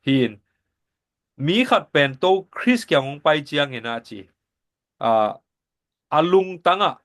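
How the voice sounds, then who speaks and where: A man giving a Sabbath School Bible lesson in a steady, explanatory teaching manner. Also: mid-range voice, measured pace.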